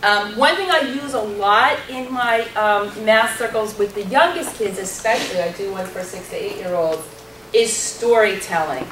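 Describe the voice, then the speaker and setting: Loud-voiced woman in a roomy hall. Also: medium pitch, moderate pace. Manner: lively, animated storyteller with a loud voice. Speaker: panelist, math circle leader. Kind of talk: workshop panel talk. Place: workshop room. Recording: roomy hall sound from a distant mic, noisy.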